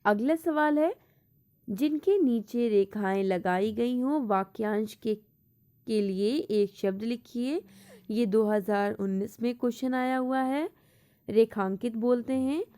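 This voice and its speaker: A woman's voice: a little high, slow, dark tone. A woman teaching an exam-prep lesson, reading out each question and then explaining the answer, mixing English words into her Hindi.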